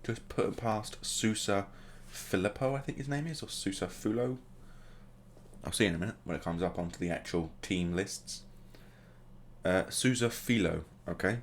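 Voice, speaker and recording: A man's voice: on the low side, normal speed, slight background noise. A man hosting a gaming video, casually commentating the play as it happens and adding joking asides. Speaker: gaming channel host.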